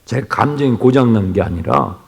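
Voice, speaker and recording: A male pastor gives an early-morning sermon in a church, swinging from hushed near-whispers to loud exclamations and asking the congregation questions. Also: lowish voice, sing-song, normal speed, vocal fry. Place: church sanctuary. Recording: reverberant church hall.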